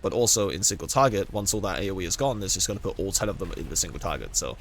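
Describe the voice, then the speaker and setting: Low-pitched yet a bit bright, his delivery is animated and rapid-fire, with slight background noise. He's a gaming guide creator who is congested with a cold and losing his voice, rambling through a casual gameplay walkthrough and often correcting himself.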